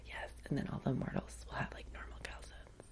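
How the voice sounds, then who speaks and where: A woman with an American valley girl accent playing a chatty, eager personal assistant to a vampire in a soft-spoken ASMR roleplay, in a breathy whisper, rambling with lots of filler words. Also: brisk, lightly acted. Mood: chatty, reassuring. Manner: chatty, hesitant, frequent "like" filler.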